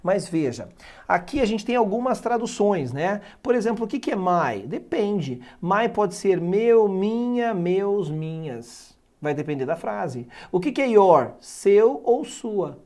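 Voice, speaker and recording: A man with a Brazilian Portuguese accent teaching English grammar in an exam-prep video lesson, animated and emphatic, checking in with students every few words. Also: sits high, slow.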